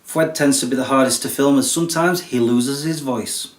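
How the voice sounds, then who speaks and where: A man's voice: medium pitch, moderate pace. A young man casually explaining, step by step, how he films and edits his videos, with a self-deprecating manner. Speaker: YouTube creator. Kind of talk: casual behind-the-scenes explanation. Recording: roomy echo.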